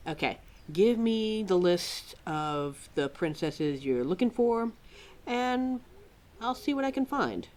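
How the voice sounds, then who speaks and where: Girl acting as a rambly lore keeper lady, slow talker, kinda indignant, chats to herself, audio roleplay. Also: medium pitch. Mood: helpful, chatty. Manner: rambling, talks to self, animated, sighing. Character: chatty, indignant woman keeper of forgotten supernatural lore. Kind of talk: ad-libbed audio roleplay, addressed to a listener.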